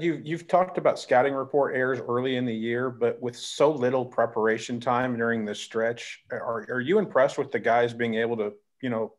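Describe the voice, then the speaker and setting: Reporter asking long, winding questions. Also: male voice, mid-range voice. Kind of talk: press conference question.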